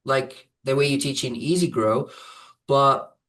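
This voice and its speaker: A man's voice: mid-range voice, measured pace, fairly bright tone, recorded from a distance. A man who grew up in Saudi Arabia and whose first language is Arabic, answering interview questions hesitantly, with many fillers and restarts. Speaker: program client, English teacher.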